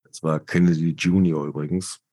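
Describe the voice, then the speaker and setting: A man co-hosting a podcast discussion, talking in a measured way with frequent fillers. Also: rumbling low, level tone, dark tone. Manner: slow, measured, with many fillers. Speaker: podcast co-host.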